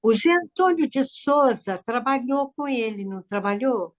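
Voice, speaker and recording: A woman's voice: high-pitched, lively intonation, normal speed. A Brazilian woman asking and commenting in a reflective, casual conversation. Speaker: participant questioning and commenting to guests.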